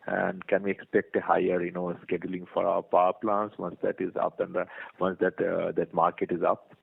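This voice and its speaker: A man's voice: deep voice, level tone, a little fast, creaky, slightly rough. A man with an Indian accent, a financial analyst calling in with hesitant, repetitive questions on an earnings call. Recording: tinny phone line.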